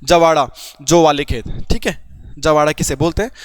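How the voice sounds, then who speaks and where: A man's voice: on the high side, normal speed, dry recording. A young man from Garhwal teaching an informal exam-prep lesson, chatty, asking and answering his own questions. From Uttarakhand, Garhwal.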